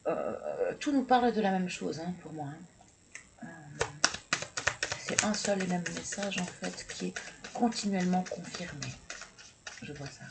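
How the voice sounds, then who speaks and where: A man reading tarot and oracle cards for viewers, talking slowly and hesitantly with many fillers, and encouraging and congratulating the listener. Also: high-pitched, expressive. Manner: slow, hesitant, with many fillers and repeated words. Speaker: tarot and oracle card reader. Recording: clear background noise.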